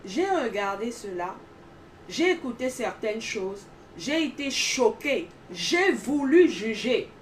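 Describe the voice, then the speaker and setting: A woman's voice: a little high, very animated, takes it slowly, distant mic, a little hiss or hum. Earnest woman, heard off-mic. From Gabon. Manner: emphatic, repetitive phrasing. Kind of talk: earnest testimony talk.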